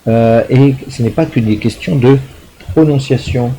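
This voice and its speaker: A man's voice: medium pitch, measured pace, mellow, slight background noise, poor audio. A middle-aged man, a university lecturer, explaining a recorded lecture with frequent fillers, restarts and tag questions to check understanding. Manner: hesitant, many fillers and restarts.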